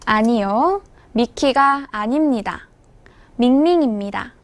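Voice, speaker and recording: High-voiced, slow-speaking woman teacher. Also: animated. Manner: clearly enunciated, measured. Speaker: language teacher. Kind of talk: scripted instructional narration.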